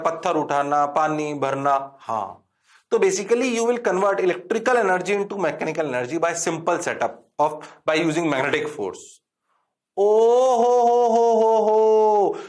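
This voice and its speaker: A man teaching a physics lecture, playful, chanting formulas and answering himself in a mock student voice. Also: fairly high pitch. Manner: sing-song repetition of formulas. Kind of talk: classroom lecture.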